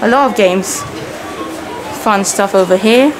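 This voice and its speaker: A woman's voice: medium pitch, a little slow, music in the background. A woman in her thirties whose first language is Persian, giving an upbeat, chatty walking tour of a hotel while she films herself. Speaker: travel vlogger. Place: indoor hotel lobby and halls. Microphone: handheld camera, self-filmed. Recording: noisy handheld camera audio.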